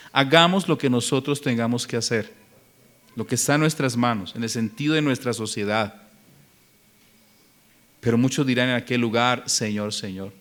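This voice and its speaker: A man preaching a Sunday sermon in a church, fervent and emphatic, moving between hushed pleading and loud bursts. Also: medium pitch. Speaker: pastor. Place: church sanctuary.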